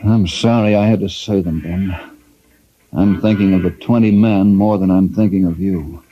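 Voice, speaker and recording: An actor playing an earnest, resolute ranger hero who speaks in a firm, persuasive way, in an old radio drama. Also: male voice, low-pitched, steady tone, moderate pace, lightly acted. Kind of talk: 1950s radio drama acting. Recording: dull old radio broadcast with faint hiss.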